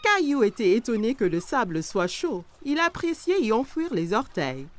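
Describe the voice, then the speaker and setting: A woman's voice: a little high, very animated, normal speed, faint music behind. A woman reads scripted children's story narration for a cartoon.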